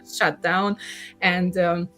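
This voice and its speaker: A woman's voice: fairly low pitch, flat delivery, slow pace, bright, forceful tone, soft background music. A woman in her forties with a Hungarian accent, a podcast guest telling her story in a chatty way, laughing often and filling with "uh" and "you know". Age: 40s. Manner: chatty, laughs often, many fillers and restarts. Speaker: podcast guest, career coach. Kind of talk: casual interview storytelling.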